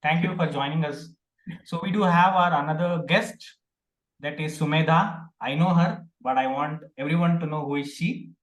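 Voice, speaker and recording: A man with a fairly high voice chairs a club meeting over a video call. He welcomes guests in a friendly way with many small fillers. His sound is echoey, as if in a bare room. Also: normal speed. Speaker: presiding officer of an online speaking club.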